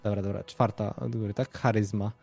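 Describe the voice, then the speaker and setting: A man's voice: on the low side, steady tone, fairly quick, gravelly, a little mellow, faint music behind. A man playing a tabletop role-playing game, hesitant and chatty, swearing when his dice rolls go wrong. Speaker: player. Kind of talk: casual tabletop game chat.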